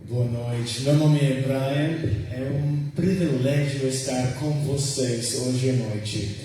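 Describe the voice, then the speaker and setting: A man with an American accent, a native English speaker, preaching a sermon and reading scripture in slow, careful, halting speech, recorded from far off in a church sanctuary. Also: mid-range voice, fairly even intonation, warm tone, a little hiss or hum. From United States. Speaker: guest preacher. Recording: echoey church hall from far off.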